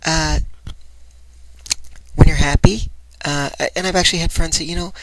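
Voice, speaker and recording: A woman talking casually and hesitantly in a personal vlog, her voice light in resonance, a little breathy and nasal, sounding unsure of herself. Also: sits low, steady tone, normal speed, dry recording. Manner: hesitant, self-doubting. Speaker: voice trainee asking for feedback. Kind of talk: personal vlog, rambling confession. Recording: very noisy home recording, clicks.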